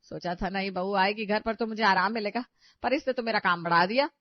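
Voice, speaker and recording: A woman's voice: mid-range voice, a little fast, no room sound, pitched below the performer's own voice, lightly acted. A woman voicing an aging, long-suffering mother-in-law in a cartoon story, who pleads and scolds in exasperation. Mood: exasperated. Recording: dry, slightly dull audio.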